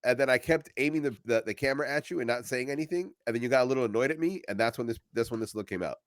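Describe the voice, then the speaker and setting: Male co-host, mid-pitched, energetic storyteller who acts out quotes, stammers a bit; dry close mic. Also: very fast, dry recording. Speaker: podcast co-host. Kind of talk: casual chat, storytelling.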